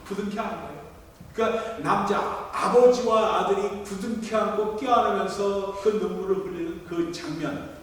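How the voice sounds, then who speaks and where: A middle-aged man preaching a sermon, telling a story and acting out its voices with sudden loud peaks. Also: high-pitched, normal speed. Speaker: pastor. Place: large church sanctuary. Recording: echoey hall from far off.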